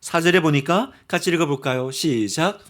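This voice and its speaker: A man's voice: on the high side, normal speed, fairly bright tone. A pastor preaching to his congregation in church, earnest and full of rhetorical questions. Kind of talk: sermon.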